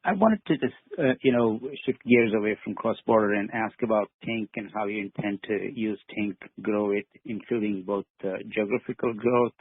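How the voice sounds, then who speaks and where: A man's voice: lowish voice, breathy edge, dry recording. A man speaking as a financial analyst, asking a question on an earnings call in hesitant phrases. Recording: dry, narrow-band phone line.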